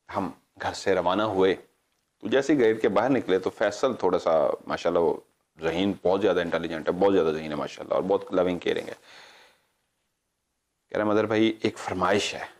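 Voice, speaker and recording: A middle-aged man, casually telling a story as a paranormal show host, acting out the dialogue and stopping to correct himself. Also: low-pitched. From Pakistan. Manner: animated, acts out quoted dialogue, digresses and corrects himself.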